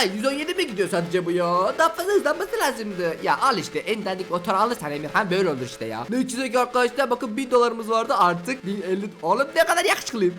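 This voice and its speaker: A man giving excited gameplay commentary as a gaming YouTuber, full of loud exclamations. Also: high voice.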